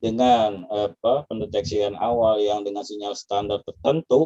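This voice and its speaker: A man's fairly low, dark, mellow voice at a fairly slow pace, with ordinary pitch variation and a dry, close sound with no echo. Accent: slight Jakarta. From Jakarta. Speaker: university lecturer. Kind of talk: online lecture. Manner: relaxed, casual.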